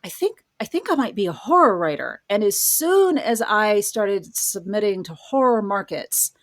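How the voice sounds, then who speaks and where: Middle-aged female interview guest. Articulate, self-deprecating storyteller, mid pitch, dry studio-close sound. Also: big pitch swings, normal speed, dry recording. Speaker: podcast guest, horror writer and college professor.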